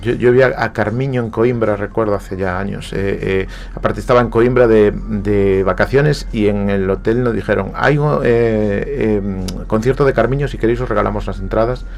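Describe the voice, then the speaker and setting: A Spanish-accented guest writer from Galicia, Spain, speaks in a radio studio with a low, gravelly, slightly mellow voice at a moderate pace, barely pausing. His tone is reflective, with frequent hesitations and repeated words.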